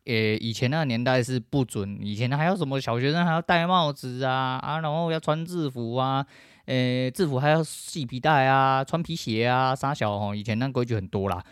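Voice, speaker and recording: A man's voice: mid-range voice, moderate pace, smooth, dry recording, clean studio sound. A middle-aged man with a Taiwanese Mandarin accent, hosting a podcast in a blunt, profane, emphatic casual rant. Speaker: podcast host.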